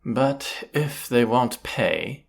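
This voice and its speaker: A man's voice: mid-range voice, animated, drawn-out words, gravelly, heavily acted. A man playing a cocky, teasing, commanding bandit leader in a roleplay audio drama, casual and swaggering. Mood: wry, commanding. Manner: casual, teasing, swaggering, rhetorical tag questions.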